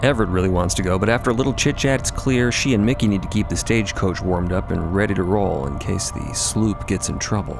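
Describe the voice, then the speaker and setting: A man tells a scripted adventure in a low, gravelly voice. He narrates dramatically, as in a fiction podcast. Music runs clearly beneath the words. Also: quick pace, few pauses. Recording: voice over prominent music.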